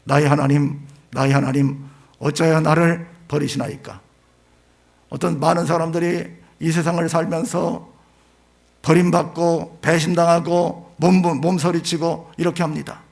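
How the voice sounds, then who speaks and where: Male pastor, slightly high-pitched and gravelly, emphatic sermon delivery with stressed phrases that fall away low. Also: little pitch movement. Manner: emphatic, rising to drawn-out stressed phrases then dropping low. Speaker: pastor preaching.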